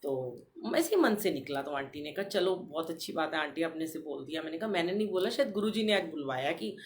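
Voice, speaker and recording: A middle-aged woman hosting a devotional podcast, telling a personal story in an animated way and addressing the listeners directly. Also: deep voice, brisk, slight background noise. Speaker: satsang podcast host.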